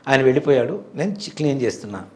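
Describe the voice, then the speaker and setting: Fast-talking man, earnest devout storyteller. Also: medium pitch, lively intonation. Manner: earnest, devout, vivid retelling. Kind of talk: interview storytelling.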